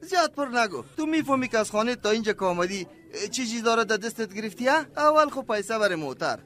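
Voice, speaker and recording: A man's voice: high voice, very animated, bright, forceful tone, exaggerated voice. An Afghan-accented male actor playing a fussy, irritable laboratory chief in a radio drama, curt and pompous. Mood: scolding.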